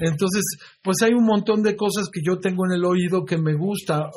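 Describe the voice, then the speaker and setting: The speech comes at a fairly slow pace with a Mexican accent. Intonation is fairly even throughout. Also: man. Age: 60s. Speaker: guitarist and music teacher. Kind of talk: casual interview chat.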